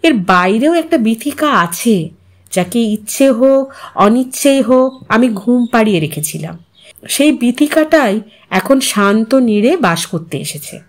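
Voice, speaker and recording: A woman's voice: on the high side, lively intonation, unhurried. A woman voicing a talkative, content older housewife in a storybook reading, chatty, earnest and reflective. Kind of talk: storybook character dialogue.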